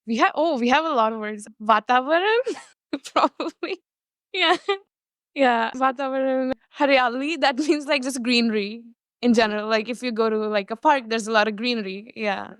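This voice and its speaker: A woman's voice: on the high side, moderate pace, dry recording, studio quality. A young woman answering interview questions in a bubbly, laughing way. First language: Punjabi. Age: young adult. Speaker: student interviewee.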